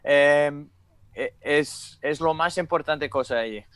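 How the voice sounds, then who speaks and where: A young man, a native English speaker, works his way slowly through Spanish, stopping often to hunt for the right word. His voice is smooth and clear, recorded dry and close through an earphone mic on a video call. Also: on the high side, fairly bright tone, dry recording. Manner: hesitant, searching for words, many fillers; gestures while talking. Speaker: guest. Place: room with curtain, indoors.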